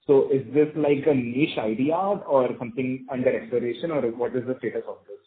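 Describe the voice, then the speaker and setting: A man's voice: mid-range voice, fairly even intonation, a little fast. Indian-accented male analyst, echoey tinny phone. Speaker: investment analyst caller. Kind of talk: asking questions on earnings call.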